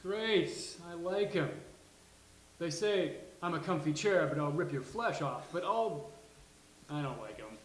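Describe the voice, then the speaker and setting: A man's voice: a little high, expressive, a little slow. A man reading a witty, coaxing gay best friend in a live sitcom table read. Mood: wry. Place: live venue with studio audience. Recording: roomy live venue, faint hiss.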